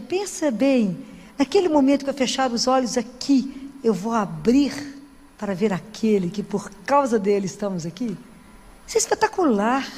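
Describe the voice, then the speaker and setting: High-voiced woman preaching in a church. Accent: Brazilian Portuguese. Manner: conversational, animated storytelling with frequent "né?". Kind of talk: sermon. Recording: long reverb of a church hall.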